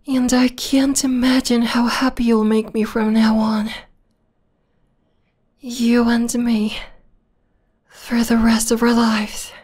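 A woman voicing an obsessive, possessive young vampire lover in an ASMR roleplay, soft, breathy and often whispering, cooing intimately with sweet menace. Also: on the high side. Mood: tender, cuddly.

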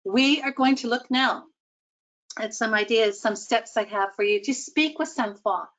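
A woman delivers a group presentation about public speaking, drawing her listeners in with frequent questions. Her voice is on the high side and a bit bright, her pace measured, and the audio sounds muffled.

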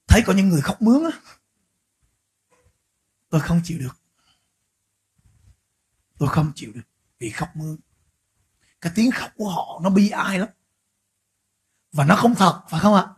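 A man preaching a sermon as pastor, swinging from quiet, slow stretches to loud, shouted peaks. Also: sits high, breathy edge. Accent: Vietnamese.

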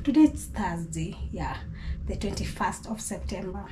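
A woman's voice: mid-range voice, animated, normal speed, background noise. A middle-aged woman with a Kenyan accent, chatting casually to camera as she cooks in a small kitchen. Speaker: cooking vlogger. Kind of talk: casual vlog talk to camera. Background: rain and thunder outside.

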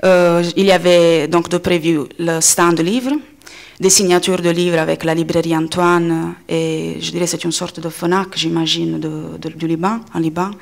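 A woman in her thirties addresses a conference panel in an Italian accent, her native language being Italian. Her voice sits fairly low and has plenty of gravelly fry. She feels her way through phrases, pausing and correcting herself as she goes. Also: little pitch movement. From Italy. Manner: hesitant phrasing with frequent pauses and self-corrections. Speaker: coordinator of a media organisation, panel speaker. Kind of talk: conference speech, semi-improvised. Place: indoor conference panel table. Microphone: gooseneck table microphone, close.

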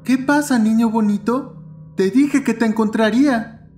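High, childlike, angry teddy bear. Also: male voice, a little slow, faint music behind. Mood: taunting, menacing. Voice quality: soft, small, childlike voice. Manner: belligerent, taunting. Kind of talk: horror audio fiction acting.

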